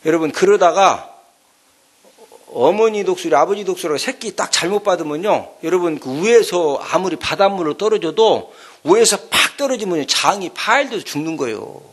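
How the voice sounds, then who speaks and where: A male pastor delivers an animated sermon in a high voice. His pitch rises and falls widely as he acts out the story. He keeps calling out to his listeners. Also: moderate pace, slightly rough. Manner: animated storytelling with sound effects, asking the congregation "예?".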